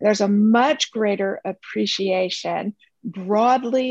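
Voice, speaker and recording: A woman with an American accent has an unremarkable speaking voice, pitched fairly high. She goes at a fairly slow pace with ordinary pitch variation. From California. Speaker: think tank scholar. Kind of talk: casual chat.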